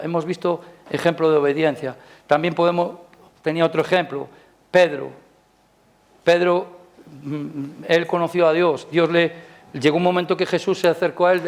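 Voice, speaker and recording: A man with a Spanish accent preaching a Sunday sermon in church, chatting with the congregation through rhetorical questions, his voice climbing loud on key points and dropping soft. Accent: Spanish from Spain. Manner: rises loud and high on emphasis, drops soft. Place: church service.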